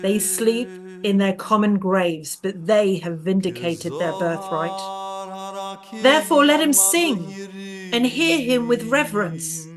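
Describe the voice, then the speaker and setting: A woman playing a grave figure of the ghetto in a deliberate, declamatory theatrical style. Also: medium pitch, animated, music in the background. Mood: reverent, solemn. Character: grave female narrator and weary ghetto tenant. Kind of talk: theatrical recitation in a stage play.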